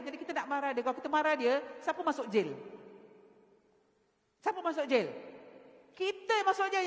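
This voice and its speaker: A woman religious teacher, giving a women's lecture in a mosque and telling stories with lively sound mimicry. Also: high voice. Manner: animated storytelling, mimics sounds. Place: mosque hall. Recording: reverberant mosque hall.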